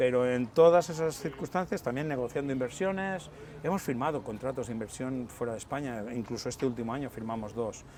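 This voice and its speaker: A man in a normal speaking voice, medium in pitch with ordinary pitch variation, at a fairly quick pace. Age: 60s. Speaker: car company founder. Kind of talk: interview.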